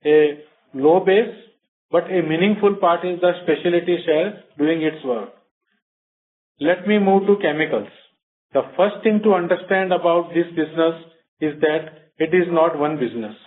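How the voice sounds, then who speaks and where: Male CFO, Indian accent, fairly high voice, formal scripted earnings delivery, thin phone-conference sound. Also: phone-quality sound. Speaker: chief financial officer. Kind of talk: prepared earnings call remarks. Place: conference call.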